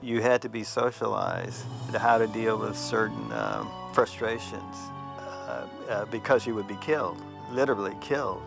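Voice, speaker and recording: Very gravelly man, halting delivery. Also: lowish voice, steady tone, music in the background. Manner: halting, searching for words. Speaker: interviewee. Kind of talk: reflective documentary interview.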